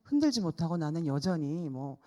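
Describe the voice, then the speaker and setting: A middle-aged woman evangelist delivers her sermon as a vivid personal story. Her voice sits a little low. She acts out the people in the story with lively voices. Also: brisk. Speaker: evangelist preaching at a church service.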